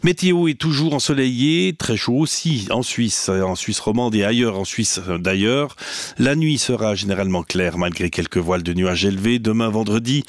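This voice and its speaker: A man reads the radio news with a Swiss French accent, his voice gravelly and fried at the edges. The studio sound is dead dry, with no room around him. His delivery stays measured and formal. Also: lowish voice, no room sound. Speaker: newsreader. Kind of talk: read news bulletin. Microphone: close studio mic.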